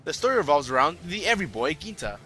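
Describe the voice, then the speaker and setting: A man's voice: on the high side, big pitch swings, fast, bright, forceful tone, faint music behind. A young man narrating a scripted comedic anime review with sarcastic, joking asides.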